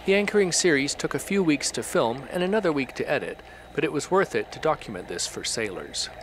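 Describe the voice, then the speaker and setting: A man's voice: fairly high pitch, expressive, brisk, noisy background. A man hosting and narrating a sailing series in a scripted documentary style.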